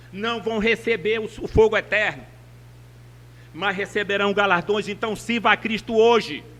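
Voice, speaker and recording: With long, frequent pauses, a man talks at a fairly slow pace in a high voice with fairly even intonation. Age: 60s. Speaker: pastor. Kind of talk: sermon.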